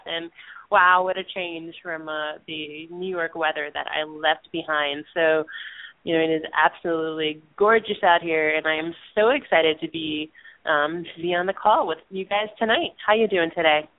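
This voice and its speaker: A woman's voice: lowish voice, no echo. A woman co-hosting a podcast, upbeat and chatty though she is losing her voice, calling in from a hotel balcony. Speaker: co-host. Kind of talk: casual chat. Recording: phone-line sound, dry.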